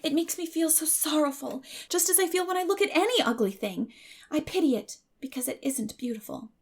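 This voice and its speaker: A woman's voice: sits high, animated, fairly quick, voice pushed up. A woman voicing a dreamy, earnest, talkative young orphan girl in a gushing, dramatic audiobook reading. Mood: aggrieved.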